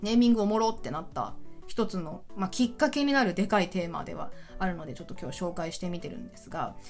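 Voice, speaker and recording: A woman hosts a casual solo podcast in a lively, chatty voice whose pitch swings widely. She sounds enthusiastic and laughs easily. Soft music plays faintly underneath. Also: quick pace. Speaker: podcast host.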